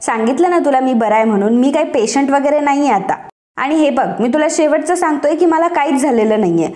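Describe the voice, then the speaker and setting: A woman reads out an arrogant young husband who brags and brushes everyone off, in a storybook retelling. The voice is high and stays close to her plain reading tone. He refuses help even while sick. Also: a little fast. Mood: stubborn. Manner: boastful, dismissive retorts.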